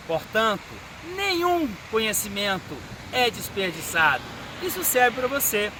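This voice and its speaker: Man from Brazil in his fifties, high-pitched, didactic, outdoors with street noise. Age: 50s. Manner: measured, didactic. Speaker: forensic medical examiner. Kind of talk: answering interview questions. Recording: street and car noise behind.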